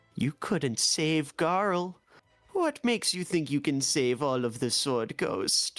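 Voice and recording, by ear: A put-on character voice at a middle pitch and a fairly slow pace, on a very clean recording with a silent background.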